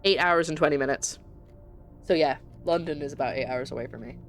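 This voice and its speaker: While streaming a puzzle game, a young woman from Scotland speaks in a low-pitched voice at a slightly fast pace, with soft music playing behind her. She is chatty and rambling, frequently stopping herself mid-thought.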